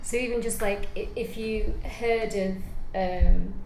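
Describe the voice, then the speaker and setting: Woman interviewer, very slow and mellow, gently probing, echoey room. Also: medium pitch, fairly even intonation, vocal fry, a little hiss or hum. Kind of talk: interview questions.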